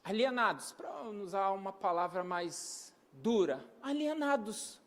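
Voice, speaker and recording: A man's voice: high voice, expressive, unhurried, a bit bright. A man preaching an emphatic sermon on parenting, repeating key phrases and acting out everyday dialogue. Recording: long hall reverb.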